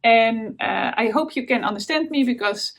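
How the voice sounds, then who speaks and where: Dutch lady host, a bit high voice, lots of uhs and restarts, laughs easily. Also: normal speed. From Netherlands. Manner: hesitant, many fillers and restarts, laughs often. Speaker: knitting podcast host. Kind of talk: casual chat to camera.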